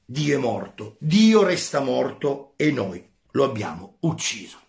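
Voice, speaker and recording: A man's voice: medium pitch, very animated, a little slow, gravelly, a little mellow. A man reading as a frantic madman prophet. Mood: impassioned. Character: frantic male madman proclaiming a dark prophecy.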